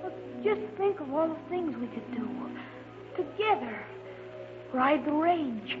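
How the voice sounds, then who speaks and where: A woman's voice: high voice, expressive, measured pace. A woman playing an earnest, eager young cowboy boy in an old radio adventure serial. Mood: dreamy, hopeful. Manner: earnest, pleading. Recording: muffled old radio recording, music behind.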